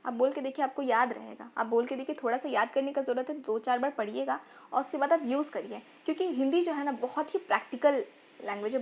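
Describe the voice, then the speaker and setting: A woman teaching grammar in an online lesson, sounding out vowels and repeating phrases as she explains. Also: high voice.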